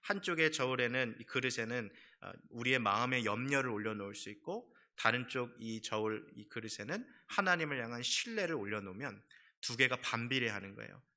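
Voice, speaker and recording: Male pastor, middle-aged, sermon delivery; bright, forceful tone, storytelling with emphatic peaks. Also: mid-range voice. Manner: storytelling with acted quotes, emphatic rises. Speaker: senior pastor.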